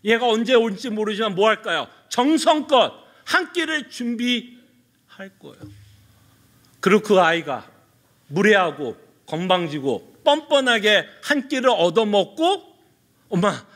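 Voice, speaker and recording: A male pastor preaching with a strikingly high voice for a man. His pitch rises and falls with great liveliness. He tells stories, puts questions to the congregation and draws out words for emphasis. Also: big pitch swings, a bit bright. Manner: storytelling with rhetorical questions to the congregation; slows down to stress words. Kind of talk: sermon. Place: church.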